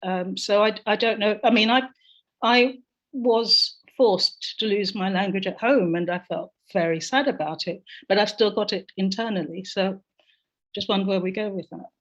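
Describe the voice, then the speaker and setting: A woman's voice: medium pitch, moderate pace, lo-fi sound. Woman reflecting over a video call. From London, England. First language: Jamaican. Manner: reflective, personal storytelling. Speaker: panelist. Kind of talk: online panel discussion.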